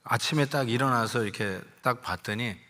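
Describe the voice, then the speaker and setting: An older male pastor delivers a sermon built on a personal story, speaking in a conversational, emotional way. His voice sits at a middle pitch for a man, and he slips into quoted lines as he tells the story, sometimes using English words. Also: a little fast, pushed and bright.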